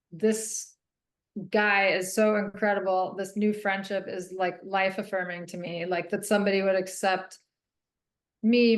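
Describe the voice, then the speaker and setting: A woman, a guest author, answering an interview question in an earnest, halting way with frequent ums. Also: mid-range voice, roomy sound.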